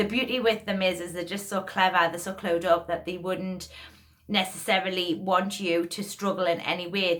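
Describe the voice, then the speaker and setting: A woman with a strong northern English accent at a fairly quick pace. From northern England. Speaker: spiritual medium and teacher. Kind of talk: casual talk to camera. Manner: fast.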